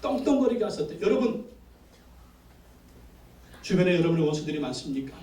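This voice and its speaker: A man's voice: high voice, very animated, fairly quick, mellow. A male pastor delivering an emphatic sermon, building call-and-response lists and repeated phrases. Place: church sanctuary. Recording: echoey church from a distance.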